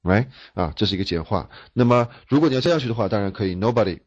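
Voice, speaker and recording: A man's voice: on the low side, animated, rapid-fire, darkish tone, breathy edge, muffled recording. A man teaching interpreting, explaining step by step, asking rhetorical questions and stumbling over repeated words. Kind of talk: classroom lecture.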